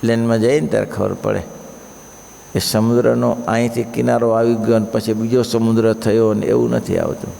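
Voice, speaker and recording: Gravelly preacher in a hall. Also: male voice, medium pitch, moderate pace, slight background noise. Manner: animated, acts out story characters with shouts. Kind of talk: sermon with storytelling. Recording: reverberant hall.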